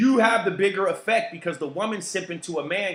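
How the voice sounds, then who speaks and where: A man speaks loudly at a fairly quick pace. His pitch varies in an ordinary way. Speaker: talk show host. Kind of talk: casual monologue. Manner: animated.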